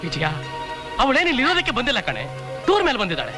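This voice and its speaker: An actor playing a loving father and police commissioner who pleads with his wife and shouts at intruders, with music under him. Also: very high voice, wildly swooping pitch, fast talker, exaggerated voice. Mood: pleading. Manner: affectionate and pleading, shouts angrily. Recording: film soundtrack with music.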